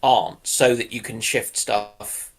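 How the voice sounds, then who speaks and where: A man's voice: on the low side, slow pace, a little hiss or hum. A man on a panel, speculating casually and somewhat hesitantly as he thinks aloud.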